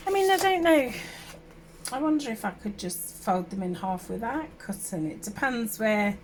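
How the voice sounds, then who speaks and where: Woman, gravelly hoarse voice, summer cold, rambling crafting chat, faint hiss. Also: mid-range voice, fairly bright tone. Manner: chatty, rambling, many fillers and self-corrections. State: sore throat from a summer cold. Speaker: craft channel host. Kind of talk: casual crafting tutorial.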